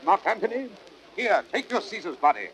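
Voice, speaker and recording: An actor playing an earnest, noble Roman conspirator, grave and reasoning, with formal, deliberate oratory in a 1930s radio Shakespeare style. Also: male voice, high-pitched, big pitch swings, creaky, a bit bright, exaggerated voice. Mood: firm, earnest. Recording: noisy old 1930s radio broadcast recording.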